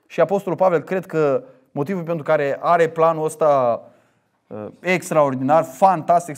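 A man preaching a sermon, swinging between loud emphatic lines and quiet asides, sometimes acting out imagined speech. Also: on the high side.

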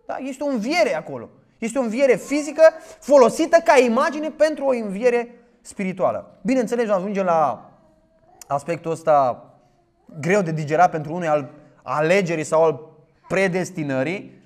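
Preaching in a high-pitched voice, this man is forceful, throwing out rhetorical questions and reading passages of scripture loudly. His intonation is lively.

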